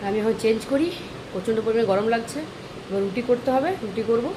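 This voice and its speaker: A woman chatting to viewers in a casual daily vlog, speaking softly because of a sore throat. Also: on the high side, fast. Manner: chatty, addresses viewers directly. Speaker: vlogger. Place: home and outdoors, moving around. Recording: noisy phone recording.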